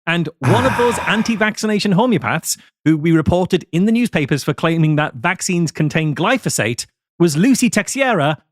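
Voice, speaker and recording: A man's voice: high voice, animated, moderate pace, no room sound. A man co-hosting a podcast who tells a researched story in a dry, wry way. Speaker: podcast co-host. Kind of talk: scripted storytelling in podcast chat.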